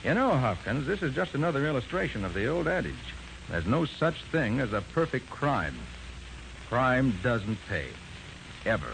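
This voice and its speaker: An actor playing a shrewd, confident male private detective with an American accent in a 1940s radio crime drama, explaining things in an assertive, deliberate way. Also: mid-range voice, big pitch swings, creaky. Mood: composed, conclusive. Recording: noisy 1940s radio recording.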